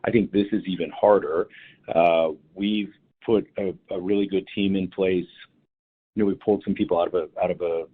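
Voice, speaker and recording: A male company executive answering analysts on an earnings call, talking in a halting way with many restarts and fillers. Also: low voice, fairly even intonation, breathy edge. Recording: phone line audio.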